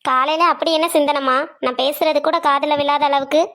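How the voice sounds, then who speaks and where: A woman's voice: high voice, fairly even intonation, normal speed, a bit bright. A woman doing a sulky young son. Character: young adult male son, an office worker, defensive and lovestruck.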